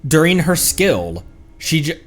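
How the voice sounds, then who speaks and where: A streamer giving casual, excitable live commentary on a game, exclaiming and often repeating phrases. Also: mid-range voice, slow pace. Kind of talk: casual gameplay livestream commentary. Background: video game music.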